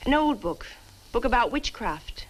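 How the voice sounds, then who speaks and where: A woman's voice: fairly high pitch, sing-song, unhurried, rough recording. A young actress playing an earnest, uneasy village woman in an old horror film. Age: young adult. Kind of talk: 1960 horror film acting.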